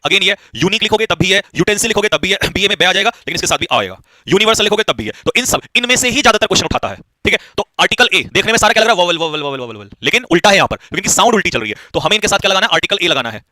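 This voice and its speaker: A man with an Indian accent runs an exam-prep grammar class at a brisk clip, firing questions and answering them himself. His voice sits high and sounds sharply bright. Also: dry recording. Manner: quick, drilling with repeated questions to students. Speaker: English grammar teacher. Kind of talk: online exam-prep lesson.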